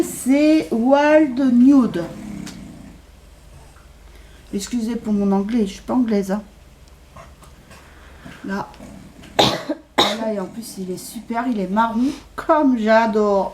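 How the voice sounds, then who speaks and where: With a voice on the high side and slight background noise, this middle-aged haul vlogger talks casually about her shopping. Her speech is hesitant and full of fillers.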